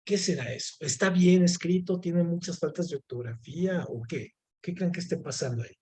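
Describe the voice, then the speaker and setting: A man leads an online lesson. His voice sits a bit high for a man. He explains patiently, with many fillers, and keeps asking the class questions. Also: brisk, dark tone, slightly rough. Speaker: Spanish teacher.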